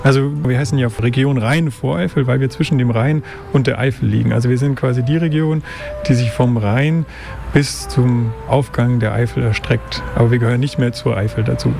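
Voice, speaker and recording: A man's voice: medium pitch, steady tone, a little fast, vocal fry, darkish tone, soft background music. A man from a tourism office answering interview questions, explaining things and using plenty of fillers.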